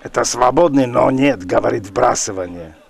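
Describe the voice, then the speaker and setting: A male football commentator with a gravelly, creaky, mid-pitched voice calls the action live, excited and exclamatory, stretching out his shouts as he tracks the play. A crowd can be faintly heard.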